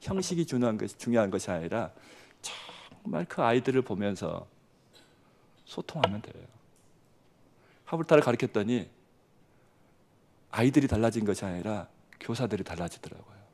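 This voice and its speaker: A man in his forties from Jeolla, preaching a sermon as pastor with lively storytelling that swings between loud and hushed. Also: lowish voice, normal speed, vocal fry, long pauses. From Jeolla, South Korea.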